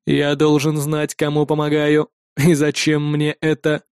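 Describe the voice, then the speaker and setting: A man reading an audiobook who voices a calm, terse male combat android, speaking in a cold and measured way. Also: on the high side, clear, resonant tone, no room sound, studio quality, pitched below the performer's own voice. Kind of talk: audiobook character voice.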